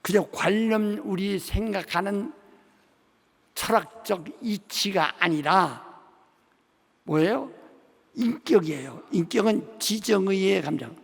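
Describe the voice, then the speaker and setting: Older man, pastor, sermon, raspy and gravelly, animated storytelling, big church hall reverb. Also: high-pitched. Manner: animated storytelling, acting out dialogue. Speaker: senior pastor. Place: large church sanctuary. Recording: long reverb of a large sanctuary.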